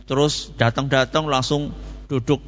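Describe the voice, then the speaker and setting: A man's voice: mid-range voice, fairly even intonation, unhurried, fairly bright tone, big-room sound, lo-fi sound. A man giving a Quran commentary lecture, telling stories and asking questions he answers himself. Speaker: preacher.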